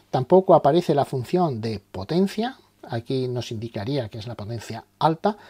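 A man's voice: medium pitch, dark tone. A man with an accent from Spain, explaining a product step by step in an informal tutorial style. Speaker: product reviewer and tutorial presenter.

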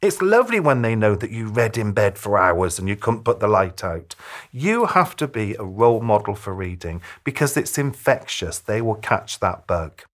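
Guy in his 50s giving tips to camera, really animated ups and downs, emphatic storyteller delivery with pauses. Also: lowish voice. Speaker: children's author giving reading tips to parents. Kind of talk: direct-to-camera advice talk, presentational. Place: small furnished room, indoors.

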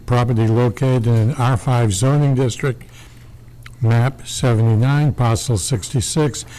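An older man reads out a formal board notice. His tone is dark and relaxed, with a medium pitch for a man. He speaks into a desk microphone in a small public meeting room. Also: low-quality recording. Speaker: board member reading an agenda item. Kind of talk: formal reading aloud of a notice.

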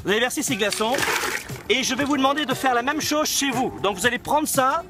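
A man's voice: very high-pitched, brisk. A man in his forties, a coach giving an emphatic motivational talk to camera outdoors, asking rhetorical questions and repeating key phrases. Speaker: coach and company founder. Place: outdoors in a park. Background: background music.

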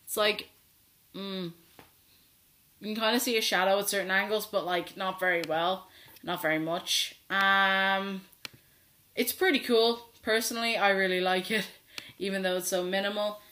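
A man's voice: sits high, pushed and bright. A sixteen-year-old trans man, chatting candidly to his laptop camera from a small bedroom, with lots of fillers. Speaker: vlogger. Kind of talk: casual update to camera. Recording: echoey small room.

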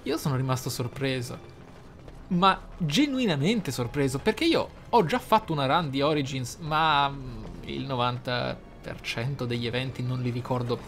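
A man's voice: medium pitch, lively intonation, moderate pace, a bit bright. A man giving playthrough commentary on a roleplaying game, musing aloud in an emphatic way. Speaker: gameplay host. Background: game music behind the voice.

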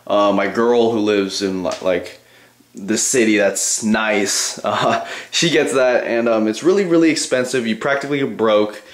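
Male vlogger, twenties, lowish voice, offhand and informal, casual rambling delivery, echoey small bathroom sound. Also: measured pace. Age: 20s. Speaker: bodybuilding vlogger. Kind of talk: casual rambling vlog to viewers. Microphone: handheld camcorder at arm's length.

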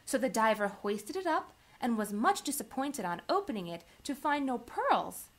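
A woman voicing Sally, a young woman who picks up the tale with a gentle, chatty telling. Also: on the high side, big pitch swings, normal speed, voice pushed up, full character voice. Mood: musing. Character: young woman Sally, flustered then inventive.

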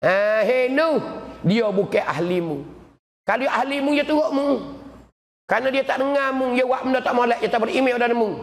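A man's voice: very high-pitched, moderate pace, voice pushed up. A man putting on a stern divine scolding voice. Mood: stern rebuke. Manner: rebuking, raised and emphatic. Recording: echoey hall reverb.

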